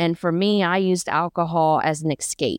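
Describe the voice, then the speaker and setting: The woman's pitch is fairly low and her pace moderate. The sound is dry and close with no echo, over a quiet background. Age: 30s. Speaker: podcast host with visual impairment. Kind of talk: personal monologue. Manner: halting, many fillers.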